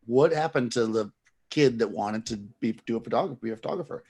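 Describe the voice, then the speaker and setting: Fast-talking husky man. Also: mid-range voice, darkish tone. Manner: quick, chatty, laughing easily. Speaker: photographer host. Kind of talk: casual chat.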